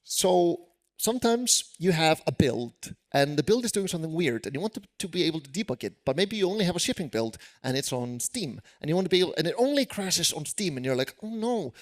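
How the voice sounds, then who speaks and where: A man's voice: fairly high pitch, big pitch swings, fast. A man with an Icelandic accent, a programmer presenting tips on stage at a conference in a casual, self-deprecating way with many fillers. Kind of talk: live conference tech talk.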